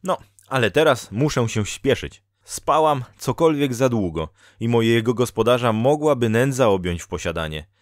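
A man's voice: medium pitch, lively intonation, moderate pace, hardly any pauses, no room sound, studio quality, pitched above the performer's own voice, natural voice. A man voicing Dola, a female spirit of fate who scolds a lazy farmer in a storybook reading, with lecturing, reproachful delivery. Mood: chatty.

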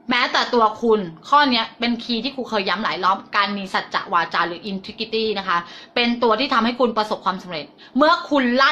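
A woman's voice: a little high, bright, forceful tone. A middle-aged woman teaching a motivational self-help lesson, blunt and coarse, sprinkling polite particles through her talk.

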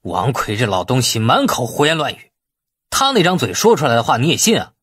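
A man voicing a quick-tempered, proud male heir in an audiobook drama, speaking emphatically and indignantly. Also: mid-range voice, wildly swooping pitch, a bit bright, slightly rough, heavily acted. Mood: angry.

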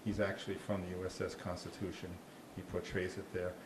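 Fairly quick and completely flat, his low-pitched voice carries a Boston accent. The park ranger gives an informal talk with audience questions into a handheld mic, chatty and prone to restarts and dry jokes, inside a small dark meeting room with a slide screen. The room echoes, with faint noise.

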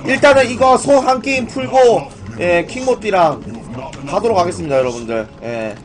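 High-pitched man live-streaming with strained throat. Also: animated, moderate pace. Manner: informal, repeatedly questioning and addressing viewers. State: strained throat, voice in poor condition. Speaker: live-stream host, gaming broadcaster. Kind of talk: casual live-stream chat with viewers. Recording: music playing behind the voice. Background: music, keyboard typing.

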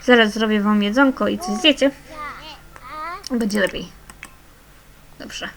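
A young woman with a mid-range voice hosts a gaming channel, speaking unhurriedly. Her casual let's-play commentary chats along over the gameplay as she fondly coaxes the little characters onward.

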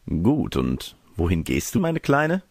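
A man's voice: sits low, wildly swooping pitch, slow pace, a little mellow, dry recording, studio quality, full character voice. A man voicing a suave, coaxing young cavalier, a sorcerer in disguise, in a storybook reading. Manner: smooth-talking, coaxing, gallant.

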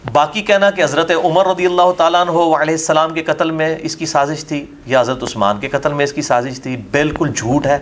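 Male religious scholar, Pakistani Urdu accent, high voice, emphatic and scornful in debate. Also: fairly quick, hardly any pauses, slight background noise. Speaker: religious scholar answering questions. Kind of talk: polemical Q&A lecture. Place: academy lecture hall.

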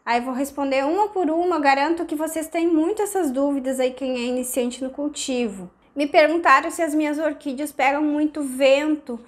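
A woman, hoarse from a cold, chatting to camera and explaining orchid care with hand gestures, on a lapel mic in a small indoor room. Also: sits high, moderate pace, hardly any pauses. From southern Brazil. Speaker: orchid-growing channel host. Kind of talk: casual tutorial talk to camera.

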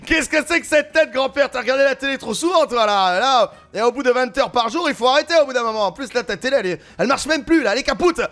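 A man with a French accent giving excited gameplay commentary, exclaiming and laughing often as he plays. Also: extremely high pitch, fast. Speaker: gaming YouTuber.

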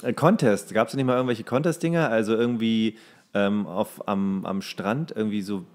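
A man's voice: lowish voice, moderate pace, darkish tone. Casual man chatting as podcast co-host. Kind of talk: casual banter between friends.

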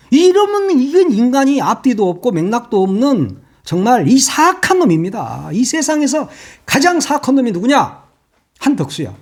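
A man's voice: high voice, a little mellow. A man giving heated political commentary, insulting his target and firing off rhetorical questions.

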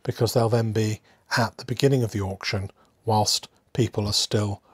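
A man hosting a hobby video in a casual, unscripted way, musing aloud with hesitant pauses. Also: lowish voice, fairly even intonation, breathy edge, no echo. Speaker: host of a coin collecting channel.

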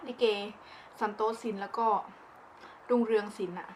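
A woman's voice: mid-range voice, fairly even intonation, moderate pace, a little mellow. A woman from northeastern Thailand chats casually as a food vlogger, talking as she eats with her mouth often full. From northeastern Thailand (lower Isan). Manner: talks while eating, mouth often full. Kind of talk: casual eating-show chat. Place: outdoors in a backyard. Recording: clear background noise, outdoor ambience.

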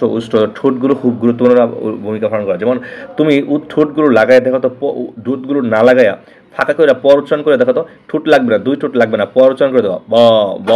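Bangladeshi Bengali male teacher, rapid exam-prep delivery, repeats key answers, talks straight to students, close mic. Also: mid-range voice, a little mellow. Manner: repeats answers and stresses importance, addresses students directly. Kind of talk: online exam-prep lesson.

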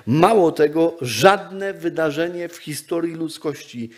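A male pastor delivering a sermon, driving points home by repeating phrases and swinging between loud and quiet. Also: a little high, a little slow. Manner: emphatic repetitive preaching, rising and dropping loudness.

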